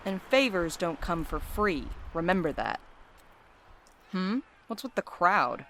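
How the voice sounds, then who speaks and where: A man's voice: sits high, expressive, slow, a bit bright, a little hiss or hum, full character voice. A man playing a cocky, sarcastic, wisecracking night worker in an audio drama. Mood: teasing, cocky. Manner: sardonic, teasing. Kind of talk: audio drama dialogue, conversational.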